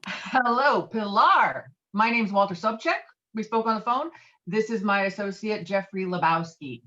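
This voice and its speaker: Lady reading as pushy loudmouth guy, swears a lot, kinda dull lofi call sound. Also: medium pitch, lively intonation, normal speed. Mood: politely loud. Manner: blustering, swearing, insistent. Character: brash, foul-mouthed, domineering male friend named Walter. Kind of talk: virtual table read of a film script. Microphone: video call.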